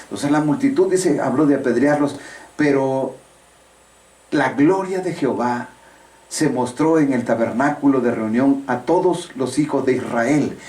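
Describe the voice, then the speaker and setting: Male pastor preaching, mid-pitched, emphatic rising peaks, recorded in an echoey room with a distant mic. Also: measured pace, warm tone. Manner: preaching with rising emphatic bursts and rhetorical questions. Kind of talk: sermon.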